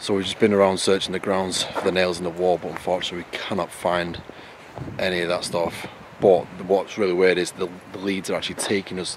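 A man's very deep, low voice, flat and monotone, at a fairly quick pace, dry with no echo over noticeable background noise. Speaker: paranormal explorer vlogger. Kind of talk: casual vlog commentary. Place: open country. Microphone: phone near.

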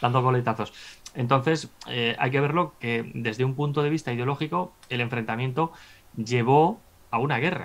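Speech comes at a moderate pace with ordinary pitch variation. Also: man. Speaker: guest. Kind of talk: informal interview explanation. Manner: fluent, explanatory. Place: home room. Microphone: video call.

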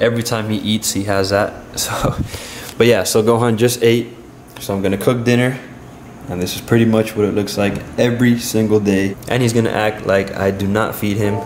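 Fairly quick, monotone, flat delivery with audible room echo and light background noise. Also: man, fairly low pitch for a man. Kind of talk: casual vlog chat. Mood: playful, affectionate. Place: kitchen. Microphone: phone near.

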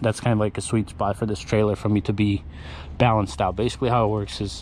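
A man's fairly low-pitched, ordinary speaking voice with ordinary pitch variation, dry with no echo and light background noise. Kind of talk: tutorial. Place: street. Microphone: phone near.

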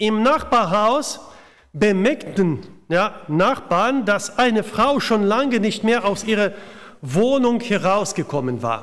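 This man speaks very slowly with an Eastern European accent and a high pitch. His intonation is lively while his loudness stays very even. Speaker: preacher. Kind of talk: sermon to a church congregation, teaching with Bible readings and a closing prayer. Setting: church. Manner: conversational and explanatory, repeating 'ja' often, with a halting, improvised delivery; changes volume; says he may be too loud or too quiet. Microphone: podium.

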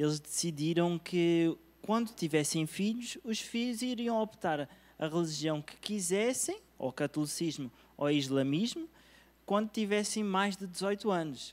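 With a European Portuguese accent, a man speaks at a fairly slow pace. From Portugal. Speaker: lay missionary; guest. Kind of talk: testimony. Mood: calm, earnest. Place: studio. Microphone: handheld.

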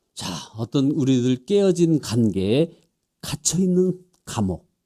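A man speaks with a dark, mellow tone and very wide pitch swings. The sound is dry and close, with no echo. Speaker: pastor. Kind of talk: sermon.

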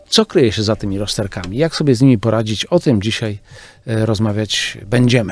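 Fairly quick in pace, an unremarkable speaking voice carries ordinary pitch variation. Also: man, medium pitch for a man. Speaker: radio host. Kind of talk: radio talk show. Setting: radio studio. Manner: formal, polite.

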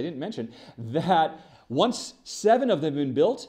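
A man with very wide pitch swings against a quiet background. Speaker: board game reviewer. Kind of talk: review commentary. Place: home room. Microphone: camera far.

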